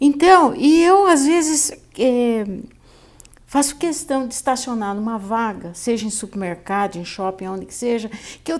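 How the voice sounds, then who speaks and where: A woman with a high pitch talks at a fairly slow pace, her intonation lively and her loudness swinging widely. The recording is very clean and the background silent. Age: 60s. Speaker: psychology professor. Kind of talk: interview.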